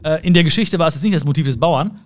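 A man with a slightly raised voice delivers an earnest motivational monologue straight to the listener. He repeats phrases for weight, drawing some words out slowly and hurrying through side remarks. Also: a little high. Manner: earnest, swings between soft slow words and quick asides. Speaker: motivational speaker.

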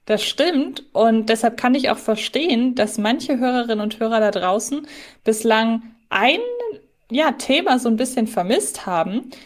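A woman's voice: fairly high pitch, animated, normal speed. A woman hosting a podcast in a conversational, moderating style. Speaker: podcast host.

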